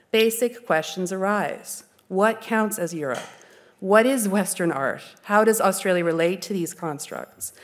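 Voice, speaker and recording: A Canadian woman in her forties gives an earnest, well-spoken lecture on art history. She talks into a lectern mic at an even, middling pitch and chooses her words with care. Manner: measured, articulate, earnest. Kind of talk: formal lecture. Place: dark stage, indoors.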